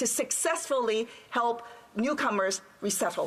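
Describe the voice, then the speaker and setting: High-pitched woman with a Chinese accent and lively intonation, over noticeable background noise. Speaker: member of parliament. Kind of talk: parliamentary debate question. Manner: hesitant, many fillers.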